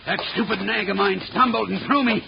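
A bullying cowboy gang boss from an old radio Western. His voice is high and full of gravel, swinging widely as he barks threats. The recording is muffled and noisy. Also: a little fast. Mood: irritated, bitter. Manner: barking, threatening, folksy cowboy talk. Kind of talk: old-time Western radio drama acting.

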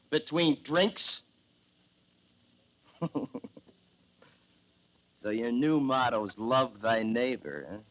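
An actor playing a drunken, menacing private detective in a 1940s radio drama, slurring and swinging between tenderness and threats. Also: male voice, fairly high pitch, fairly bright tone, low-quality recording. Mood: taunting. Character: drunken hard-boiled male private eye, menacing.

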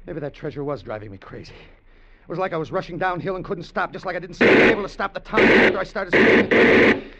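A man's voice: high-pitched, fast talker, very noisy. An actor playing a greedy, treacherous sailor in a 1940s radio drama, narrating his schemes and lurching into manic outbursts. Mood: haunted. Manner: tense, wild swings into manic shouting. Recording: dull lo-fi old radio broadcast with music.

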